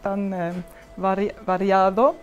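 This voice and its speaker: Slow, hesitant woman diplomat. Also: mid-range voice, fairly even intonation, muffled recording, faint music behind. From Switzerland. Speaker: ambassador guest.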